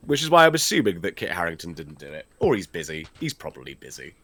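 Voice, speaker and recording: A Welsh-speaking man chatting casually as a guest while they play a game. His voice is slightly low but bright and forceful. He is playful and slips into quick impressions and accents. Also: sing-song. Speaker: guest voice actor. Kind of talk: casual chat while gaming.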